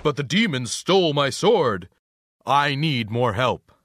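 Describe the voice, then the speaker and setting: A woman voicing a proud male warrior from heaven who speaks firmly and loudly. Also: rumbling low, big pitch swings, a little slow, no echo, studio quality, voice pushed down, exaggerated voice. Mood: dejected.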